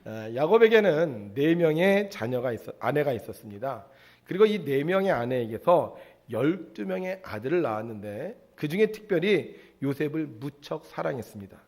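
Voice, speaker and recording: A male pastor preaching a sermon, telling a story in an animated way and asking the congregation questions. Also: fairly high pitch.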